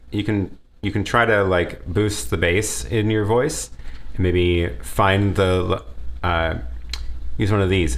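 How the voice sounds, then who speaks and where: A man's voice: on the low side, pushed and bright. A man hosting a live question-and-answer stream from a home studio, talking casually and thinking aloud with frequent restarts. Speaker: livestream host answering viewer questions. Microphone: headset or desk mic with headphones.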